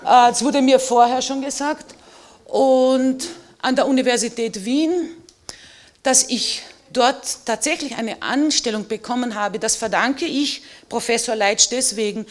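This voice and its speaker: A woman's voice: a little high, unhurried. A middle-aged woman, a native Slovene speaker, giving an emphatic and personal statement as a historian on a panel.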